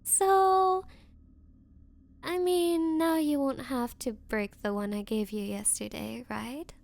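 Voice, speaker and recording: A woman's voice: high voice, steady tone, takes it slowly, creaky, full character voice. A woman playing a spoiled, possessive rich young girlfriend in an ASMR roleplay, speaking with haughty, coaxing false patience. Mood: smugly reassuring.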